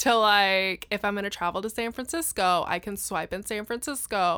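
In a very clean recording with a silent background, a woman with an American accent speaks at a moderate pace. Her fairly high voice has a bright, sharp tone and ordinary pitch variation. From Oklahoma, US. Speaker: podcast guest talking about dating. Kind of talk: casual chat.

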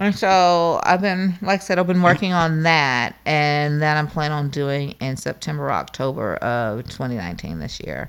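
A woman with an American accent speaks at a very deep, low pitch and a moderate pace, with lively intonation and hardly any pauses. The recording is very clean, with a silent background. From Oklahoma, US. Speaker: travel company owner. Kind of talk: casual chat. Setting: on location in Manhattan.

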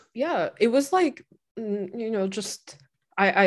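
A woman speaks with a Chinese accent. Her pace is fairly slow. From China. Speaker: hobbyist dumpster diver and food recovery activist. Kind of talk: casual interview. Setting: video call.

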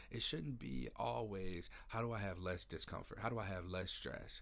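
With a very deep, low pitch and vocal fry, a man speaks at a moderate pace. His intonation is lively, and audible room echo surrounds him. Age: 30s. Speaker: podcast host, nonprofit founder. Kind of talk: solo reflective monologue. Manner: hesitant, filler-heavy.

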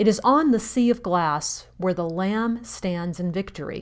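The speaker has an American accent and lively intonation. The recording is very clean, with a silent background. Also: woman. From US South, Jackson, Mississippi. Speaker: pastor. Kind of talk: reading aloud of a devotional reflection.

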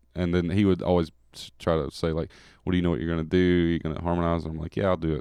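Over a quiet background, a man with a Southern US accent talks very fast in a very deep, low, dark and mellow voice with monotone, flat intonation. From Mississippi, Calhoun County. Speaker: musician. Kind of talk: casual interview.

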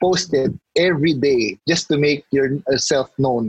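A man with a Filipino accent speaks at a fairly slow pace in a dry, close sound with no echo. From Philippines, Metro Manila. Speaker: comic book colorist. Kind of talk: interview. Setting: video call.

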